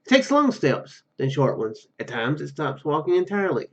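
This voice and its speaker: A man's voice: a little high, very animated, normal speed, lo-fi sound. A man hosting a let's play, reading story narration aloud with stumbles and casual asides. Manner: stumbles over words while reading. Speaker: gaming video host.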